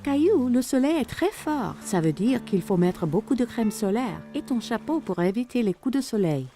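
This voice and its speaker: A woman playing a gentle, attentive, encouraging mother in a children's cartoon dub. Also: on the high side, big pitch swings, moderate pace, music in the background. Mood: gently caring.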